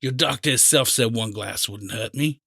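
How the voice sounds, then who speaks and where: A man's voice: mid-range voice, moderate pace, bright, forceful tone, dry recording, studio quality. Man acting out a pleading, feeble old pirate. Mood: desperate, pleading. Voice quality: weak voice. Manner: rough sailor's dialect, wheedling, agitated. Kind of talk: audiobook character acting.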